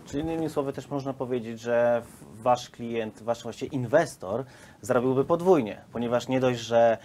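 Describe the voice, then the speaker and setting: 30-something guy interviewing, mid pitch, restates stuff back, faint hiss. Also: moderate pace, dark tone. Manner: clarifying, summarizing questions. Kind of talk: business interview. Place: film studio hall.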